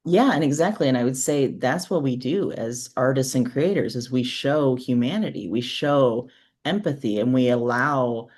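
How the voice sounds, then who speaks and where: A woman's voice: very deep voice, moderate pace, a little mellow. A woman talks as a guest in a casual interview. Her delivery is earnest and informal, conversational in its phrasing and loosely peppered with everyday filler words. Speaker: interview guest, author and podcaster.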